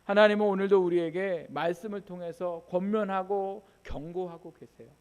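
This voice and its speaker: A man preaches in a church sanctuary, his fairly high voice trailing off into a long reverb. He talks like he is chatting with the congregation, throwing rhetorical questions at them and telling stories from home. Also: steady tone, moderate pace. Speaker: pastor. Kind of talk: sermon.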